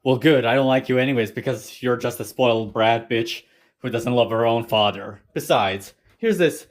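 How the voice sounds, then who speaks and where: A man's voice: medium pitch, normal speed, natural voice. A man voicing a snide middle-aged father in a fan parody cartoon dub.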